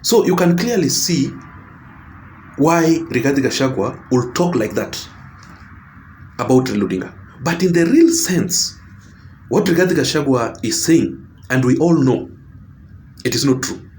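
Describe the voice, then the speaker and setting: A man's voice: mid-range voice, expressive, a little slow, long pauses, darkish tone, slight background noise. A man with a Kenyan accent delivering a political commentary monologue to his viewers. He talks emphatically, repeats his points and often corrects himself mid-sentence.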